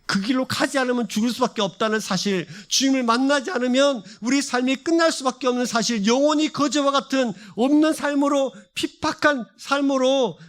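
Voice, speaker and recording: A male pastor preaching a sermon at a church service, speaking with passion and piling up repeated phrases. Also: very high voice. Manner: impassioned, repeats and builds phrases.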